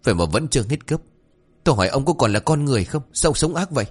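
A man voicing a desperate, furious young widow who cries out high and shrill. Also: very animated, brisk, slightly rough, faint music behind. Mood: accusing.

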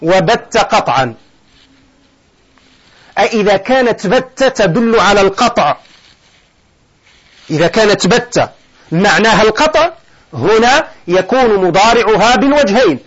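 High-voiced man teaching a grammar lesson. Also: fairly bright tone, muffled recording. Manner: questions the students and answers himself. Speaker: sheikh teaching Arabic morphology. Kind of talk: classroom lesson explaining a grammar poem.

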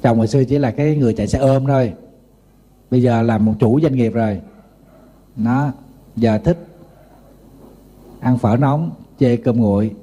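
A middle-aged man with a Southern Vietnamese accent preaches as a Buddhist monk, livening his sermon with humorous anecdotes. His pitch is medium, his speed normal, and he takes long pauses.

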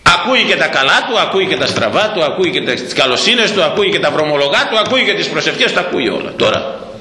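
A man's voice: a little high, very animated, sharp tone. Emphatic male preacher in an echoey hall. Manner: emphatic, repetitive preaching cadence. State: hoarse throat. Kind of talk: sermon on scripture. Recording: echoey hall, long reverb.

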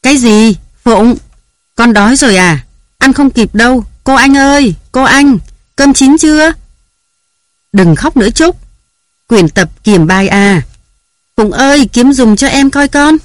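A reader voicing a harried young mother who scolds her children in a raised, hurried voice. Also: mid-range voice, warm tone, no room sound, clean studio sound, close to an everyday voice. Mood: scolding, frantic. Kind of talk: audiobook character voice.

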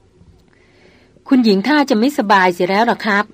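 A woman doing a calm, gentle male hunter. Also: medium pitch, measured pace, no echo, close to an everyday voice. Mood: reasoning. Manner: gentle, soothing, reasoning. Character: calm, protective male big-game hunter.

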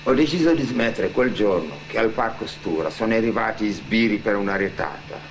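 An actor playing a defiant young immigrant drug dealer in a colloquial theatrical monologue, swearing and throwing out pointed questions. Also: male voice, on the low side, lively intonation, a little fast, a little hiss or hum, poor audio. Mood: bitter. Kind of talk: theatrical first-person monologue.

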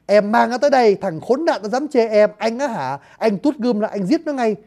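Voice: mid-range voice, animated, fairly quick, warm tone, pitched above the performer's own voice, natural voice. Bewitched young man, gushing, overblown, blustering, raised voice, narrator voicing.

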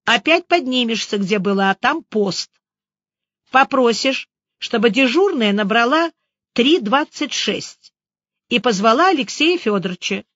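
A woman reading an audiobook, voicing a brisk, friendly male police officer who gives bossy instructions. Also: fairly high pitch, expressive, a bit bright, no room sound, lo-fi sound.

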